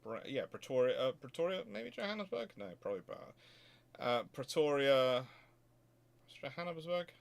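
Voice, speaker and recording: A man's voice: medium pitch, lively intonation, normal speed, creaky. Rambling man thinking aloud. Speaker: host answering viewer questions. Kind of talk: casual off-the-cuff question-and-answer commentary.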